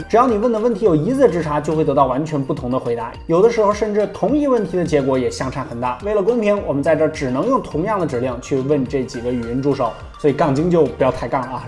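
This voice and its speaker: A man's voice: high-pitched, a little mellow. A man hosting a tech review, narrating from a script with playful, wry commentary.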